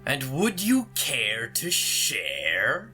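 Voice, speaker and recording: An actor in an audio drama playing a skeptical, level-headed royal attendant with a measured, deliberate delivery. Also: mid-range voice, huge pitch swings, pushed and bright, faint music behind, exaggerated voice.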